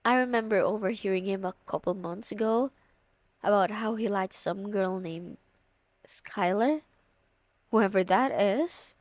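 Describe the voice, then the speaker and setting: Casting: actress as a friend's bossy older sister, young, teasing and coy, unhurried delivery, close dry sound for ASMR roleplay. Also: female voice, medium pitch, a little mellow, no room sound. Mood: coy, guarded. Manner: casual, teasing, coy, lightly exasperated. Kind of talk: intimate ASMR audio roleplay.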